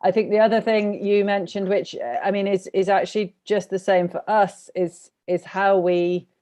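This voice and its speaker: A woman's voice: medium pitch, steady tone, moderate pace, dark tone. A British woman moderating an online panel discussion, talking informally in hesitant, rambling phrases. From Britain. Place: online video conference.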